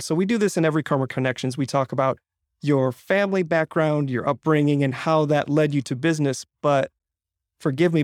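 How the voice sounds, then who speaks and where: A man's voice: a little high, darkish tone, no echo, clean studio sound. A man hosting an interview, asking questions and affirming the guest attentively. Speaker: host.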